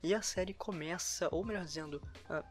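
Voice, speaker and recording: A man's voice: on the high side, a little fast. A Brazilian man giving casual solo commentary for a podcast, speaking informally. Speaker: podcast co-host. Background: background music.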